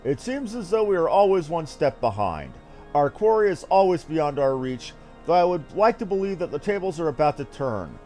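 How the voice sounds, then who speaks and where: A man reading a fantasy game script aloud in a formal, theatrical, measured delivery. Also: on the high side, very animated, dark tone, faint music behind.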